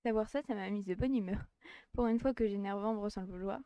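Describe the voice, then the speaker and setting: A woman's voice: mid-range voice, a little fast, warm tone, clear, resonant tone, no echo. A woman hosting a let's play, chatting casually and joking about herself to viewers. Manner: chatty, self-mocking, talks to viewers. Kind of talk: casual game commentary.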